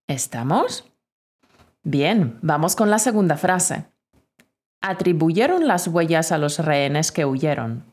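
Slow, lively-voiced woman teacher dictating. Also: sits low. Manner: clear, deliberate dictation. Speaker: Spanish teacher. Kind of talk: spelling dictation lesson.

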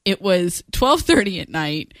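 A woman's voice: lowish voice, sing-song, a little slow, a bit bright, no room sound. Teasing woman podcast co-host. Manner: teasing, laughs often. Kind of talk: casual family podcast chat. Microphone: studio microphone.

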